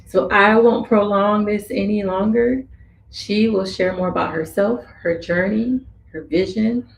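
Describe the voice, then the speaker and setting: A woman voicing a signed introduction and interview as interpreter, speaking slowly in measured phrases. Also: medium pitch, creaky. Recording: echoey room with faint ambience.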